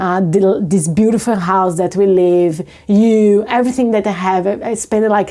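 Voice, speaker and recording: A woman with a Brazilian accent speaks at a moderate pace and medium pitch. Her tone is dark and mellow, her intonation fairly even. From North East Brazil. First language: Portuguese. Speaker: yoga practitioner, support worker. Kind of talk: interview answer. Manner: loud, vibrant.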